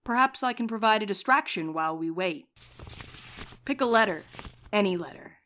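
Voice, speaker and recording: A woman voicing a composed, wry courier in an audio drama, calmly taking charge and teasing the others. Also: mid-range voice, normal speed, a little hiss or hum, natural voice. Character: dry, scheming woman courier, coolly in charge. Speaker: night courier Val.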